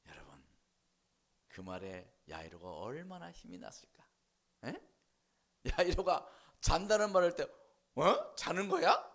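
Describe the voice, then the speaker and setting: A man's voice: fairly high pitch, measured pace, vocal fry, long pauses. A male pastor giving a sermon in church, prodding the congregation for responses and acting out the voices in the story. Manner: animated preaching, asks the congregation for responses, acts out voices.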